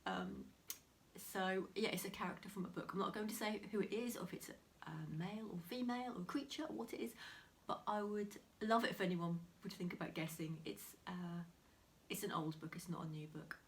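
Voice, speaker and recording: A woman's voice: mid-range voice, a little fast. A woman, chatting casually to camera about her crafts, slightly nasal from a cold and often half-whispering. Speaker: crafting vlogger. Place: home room beside a window, heavy rain outside. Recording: faint rain noise.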